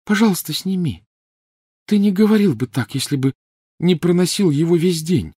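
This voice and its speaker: A man's voice: high-pitched, lively intonation, normal speed, warm tone, slightly rough, dry recording, studio quality, voice pushed up. A man reading an audiobook voices a thin-voiced, pleading teenage girl witch.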